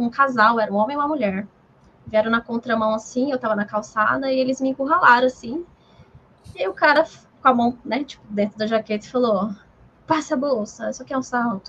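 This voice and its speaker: Her pitch shows ordinary variation. This woman keeps a fairly quick pace. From Brazil, Minas Gerais and Cuiabá. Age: 30s. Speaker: Twitch streamer. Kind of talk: casual chat.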